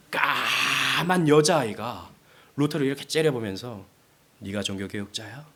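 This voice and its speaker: A man's voice: fairly high pitch, slightly rough. A male pastor preaching a sermon, acting out the lines of quoted voices as he goes. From South Korea.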